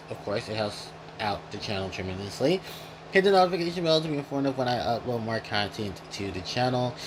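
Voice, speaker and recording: A gaming video host with a mid-range voice rambles through a casual gaming retrospective, correcting himself along the way and chewing while he talks. There's background noise in the recording.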